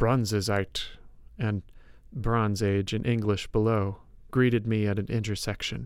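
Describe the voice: Plain reading aloud, the intonation fairly even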